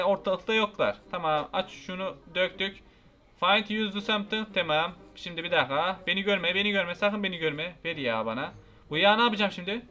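A young man giving excitable, frustrated gameplay commentary, shouting at the characters on screen. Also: sits high. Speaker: gaming YouTuber.

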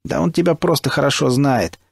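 A man voicing a brash, rough-talking male stalker who taunts loudly. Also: medium pitch, fairly quick, dry recording, studio quality, voice pushed up. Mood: taunting. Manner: loud, taunting.

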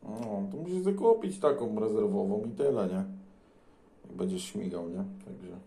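A man's voice: on the low side, lively intonation, moderate pace. A Polish man chatting casually as a CB radio operator, recorded indoors beside his transceiver. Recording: echoey room, faint noise.

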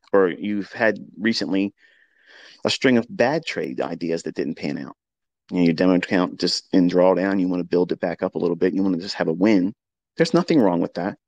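A man's voice: deep voice, a little mellow, no room sound, dull audio. A man mentoring traders in a live audio-room talk, earnest and repetitive, often doubling back on his words. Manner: earnest, repetitive coaching with spoken asides. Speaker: trading mentor. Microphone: home microphone on a live audio stream.

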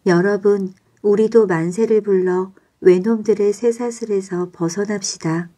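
A woman reading the lines of a determined teenage girl patriot in a bedtime storybook, earnest and resolute, slow and mellow. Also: medium pitch, steady tone, lightly acted. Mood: rousing.

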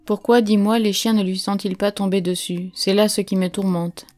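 A woman's voice: medium pitch, steady tone, normal speed, darkish tone, faint music behind, lightly acted. A woman voicing an anxious, insistent man on a frozen wilderness trail in an audiobook. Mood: uneasy.

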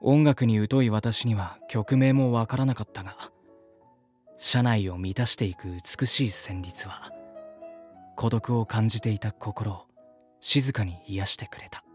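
A man's voice: fairly low pitch, a little slow, faint music behind, lightly acted. An actor playing an earnest, polite man who narrates his journey reflectively in an audio drama. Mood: reflective narration.

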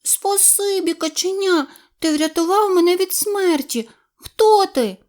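A woman's voice: extremely high pitch, a little slow, darkish tone, pitched above the performer's own voice. A woman voicing a thin, wet, timid little male black kitten in an audio storybook, with a plaintive mewing manner. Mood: pleading.

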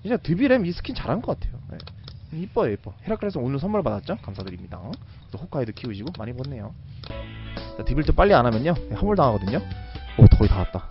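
A man doing casual commentary as a game streamer, excitable and breaking into sudden loud shouts. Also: medium pitch, fast talker, lo-fi sound, faint music behind.

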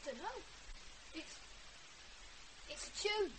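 A woman's voice: sits high, animated, slow pace. An actress playing a rebellious, moody fifteen-year-old girl in a British radio drama, sullen and offhand. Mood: sullen, defiant. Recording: noisy, hissy radio drama recording.

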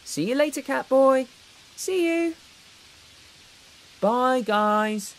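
A woman's voice: high voice, expressive, drawn-out words, pitched above the performer's own voice, full character voice. A woman voicing an earnest, brave child superhero in an exclamatory way for a children's toy story. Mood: eager. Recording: music behind the voice.

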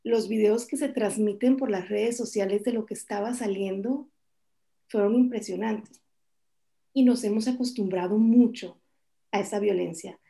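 A woman in her forties, a journalist speaking on a conference panel over a video call, candid and lively with joking asides. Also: mid-range voice, normal speed, vocal fry. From Mexico. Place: home office, indoors.

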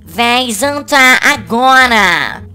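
A woman's voice: on the high side, animated, very slow, pushed and bright, smooth, soft background music, full character voice. A woman voicing a stern mother who scolds her son and calls him to dinner, in a game-animation comedy. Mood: scolding. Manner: scolding, bossy.

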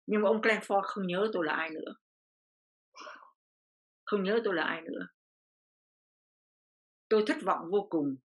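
A woman's voice: mid-range voice, measured pace, long pauses. An older woman from Vietnam, an interview guest, telling a personal story with feeling and repeating phrases as her voice rises.

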